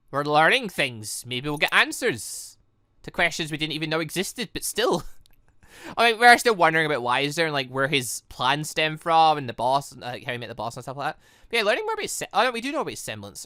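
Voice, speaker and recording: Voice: mid-range voice, very animated, fairly quick, bright, forceful tone, no room sound, clean studio sound. A gaming YouTuber doing rambling, thinking-aloud playthrough commentary on a visual novel, reading its dialogue out. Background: game music.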